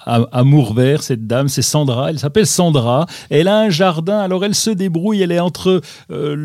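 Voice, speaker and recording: A man's voice: on the high side, a little mellow, no room sound, clean studio sound. A man co-hosting a gardening radio show, chatting casually and hesitantly with many fillers.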